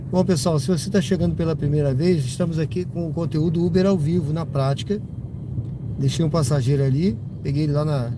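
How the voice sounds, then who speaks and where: A Brazilian rideshare driver chatting casually to his live-stream viewers from the car, slightly congested from a cold, rambling with lots of tag questions. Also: a little high. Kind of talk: casual live-stream chat while driving. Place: inside a car driving at night. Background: car and road noise.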